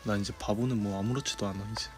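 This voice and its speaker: A young man from South Korea chatting casually on a livestream, talking slowly and unhurriedly. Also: on the low side, fairly even intonation, faint music behind. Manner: drawling, unhurried. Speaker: idol livestream host.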